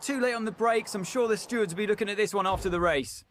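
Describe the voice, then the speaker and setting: A man giving measured race analysis as co-commentator. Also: high-pitched, a bit bright, slight background noise.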